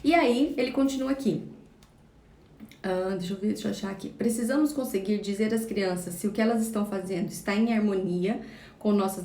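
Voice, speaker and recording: A woman's voice: medium pitch, warm tone, echoey room. A woman parenting educator giving a live book-study talk, explaining patiently and often checking in with her listeners.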